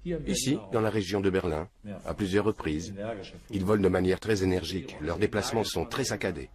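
An older man with a very low voice speaks with calm certainty, never thrown by a question. A murmur of voices runs under him. He sounds seated and close, in a small indoor room. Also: fairly quick, crowd noise. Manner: matter-of-fact, earnest, unshaken by questions. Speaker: interviewee. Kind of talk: documentary interview. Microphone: film crew mic off camera.

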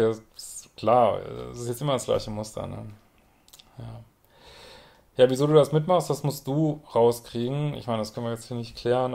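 Gravelly-voiced man giving frank advice. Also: lowish voice, a little mellow. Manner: blunt, frank, ends points with a quick tag question. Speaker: psychologist and couples therapist. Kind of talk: reading a viewer's letter aloud and commenting.

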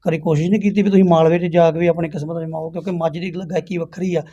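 A male interviewer asks long, probing questions at a quick clip. His pitch stays flat and even, and his voice sits a little high. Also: husky, lo-fi sound. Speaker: interviewer for a news channel.

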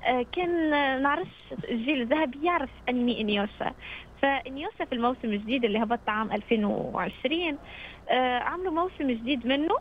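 Over a dull, noisy phone line, a Tunisian-accented woman of nineteen, an amateur voice actor, speaks as a radio phone-in guest. Her voice is high and her pace quick, though she's casual and hesitant, hunting for the right words.

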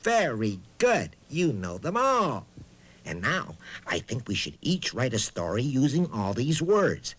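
A man's voice: mid-range voice, wildly swooping pitch, unhurried, husky, heavily acted. A man voicing a talking boot puppet on a children's reading show, eager and hammy, hesitating as he talks straight to young viewers. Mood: encouraging. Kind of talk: children's reading lesson, playful recitation.

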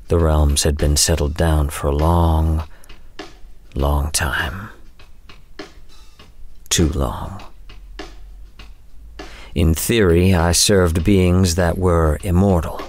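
Very deep, world-weary brooding man. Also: darkish tone, slight background noise. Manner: deliberate, brooding, wry. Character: world-weary older male agent, brooding, wary, noir-like. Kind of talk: audio drama noir monologue.

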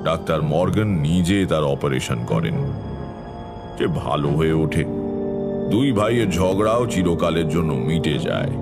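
A man's voice: very deep voice, exaggerated voice. An actor playing a grave occultist who recounts his eerie past in a horror audio drama.

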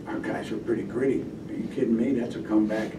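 Rambling older coach in an echoey room. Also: male voice, fairly low pitch, fairly even intonation, fast. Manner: rambling, trails off into mutters. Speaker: head coach. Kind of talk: post-game press conference. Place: indoor press room. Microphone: table microphone. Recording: roomy, distant, noisy press room.

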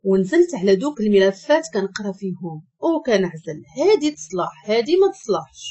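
A woman with a Moroccan accent narrating a first-person story in a lively, expressive way. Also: mid-range voice, brisk, slightly rough. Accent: Moroccan Arabic.

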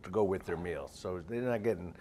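A middle-aged man with a fairly low voice chats on a TV studio set. He talks in a lively, promotional manner, gesturing as he goes, his voice clean on a lapel mic. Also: brisk, slight background noise. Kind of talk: casual TV studio interview.

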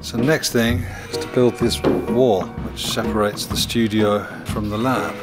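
A man's voice: fairly low pitch, fairly even intonation, measured pace, over loud music. A middle-aged man speaking casually and in an understated way, filming a handheld video diary inside a large barn. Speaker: vlogger building a recording studio in a barn. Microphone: handheld camera at arm's length.

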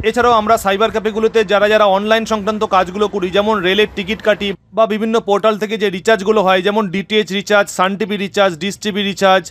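A man's voice: high voice, a bit bright, a little hiss or hum. A young man with a Bengali accent, a cyber cafe owner narrating an instructive voice-over and addressing viewers as friends. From West Bengal, India.

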